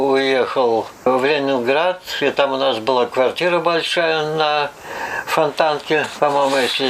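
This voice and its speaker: An older man from Russia tells his life story in a rough, gravelly voice that sits a little high for a man. He recalls the past unhurriedly, stopping often to hesitate and find the next detail. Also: a bit bright, slight background noise, low-quality recording. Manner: unhurried recollection with hesitations and "вот" asides. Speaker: interviewee. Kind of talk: oral history reminiscence.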